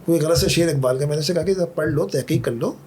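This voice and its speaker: A man's voice: on the high side, quick pace, darkish tone, slight background noise. A man from Karachi, a podcast guest, talking in a thoughtful, conversational way, telling anecdotes and quoting poetry. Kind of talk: reflective conversational Urdu talk.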